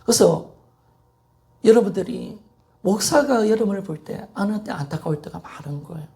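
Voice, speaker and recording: Male pastor in his 50s, fervent Sunday sermon in church, gravelly tone, swooping lively delivery. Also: high voice, normal speed. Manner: impassioned preaching with repetition and call-and-response.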